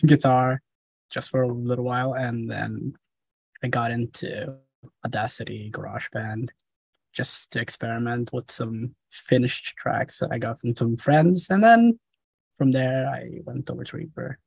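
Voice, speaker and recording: A man from Somalia, a guest music producer, talking casually and softly in an interview, with laughs between phrases. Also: medium pitch, unhurried, vocal fry, breathy edge, no room sound, poor audio.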